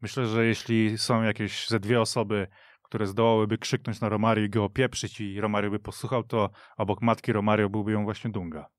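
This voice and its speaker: A man's voice: on the low side, little pitch movement, a little fast, dry recording. A man on a radio football panel, opinionated and talkative in casual studio chat. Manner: opinionated, storytelling. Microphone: studio mic.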